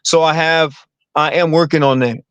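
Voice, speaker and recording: Rambling higher-voiced man, dry sound. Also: fairly even intonation, moderate pace, clear, resonant tone, dry recording. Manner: rambling, repeats words, streetwise slang. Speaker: comedian and actor guest. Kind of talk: casual interview talk.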